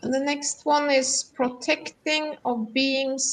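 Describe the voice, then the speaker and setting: Very slow speech from a woman, her intonation fairly even. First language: Norwegian (speaking Portuguese). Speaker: council representative. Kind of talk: prepared presentation.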